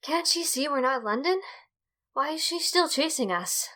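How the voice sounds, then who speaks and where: A woman's voice: sits high, animated, normal speed, bright, forceful tone, a little hiss or hum. A woman playing an exasperated, practical young character in an audio drama, speaking bluntly.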